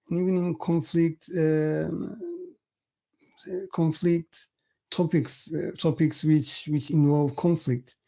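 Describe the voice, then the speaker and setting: Guy in his 40s from cyprus, calm and deliberate, walks thru points one by one, relaxed warm tone. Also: on the high side. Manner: measured, deliberate, listing points. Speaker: podcast guest. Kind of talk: interview answers.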